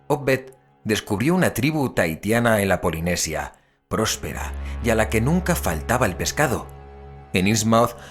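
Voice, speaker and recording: An actor playing an investigator who recounts a cursed town's grim history in expressive, deliberate Castilian Spanish for an audio drama. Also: male voice, sits low. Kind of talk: scripted audio drama narration.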